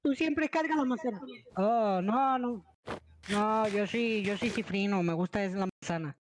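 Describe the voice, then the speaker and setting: A man's voice: high-pitched, a little slow, a little hiss or hum. A man streaming a game roleplay, bantering in a slangy, playful, teasing way. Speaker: gaming streamer. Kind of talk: improvised Minecraft roleplay banter. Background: background music.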